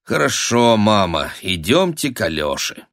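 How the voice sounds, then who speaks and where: A tired, dry-witted young noblewoman, as a male narrator reads her. She speaks flatly and sardonically in a fairly low voice, close and dry. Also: measured pace, dry recording, exaggerated voice. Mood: weary dry. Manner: flat, irritated, sardonic.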